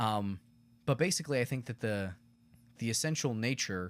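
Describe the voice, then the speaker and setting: A man talks with lively intonation. His pitch sits at a medium level. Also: very clean recording, silent background. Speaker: podcast co-host discussing film. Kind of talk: casual podcast discussion. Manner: hesitant, many fillers.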